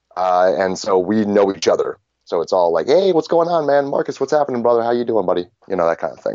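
A man at a medium pitch with very wide pitch swings and a very fast pace. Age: 30s. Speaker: podcast co-host. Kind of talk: casual chat.

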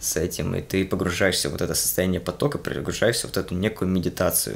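A man speaks at a very fast pace with ordinary pitch variation. His voice is very deep and low. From Transnistria. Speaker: entrepreneur, athlete and poet. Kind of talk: interview conversation.

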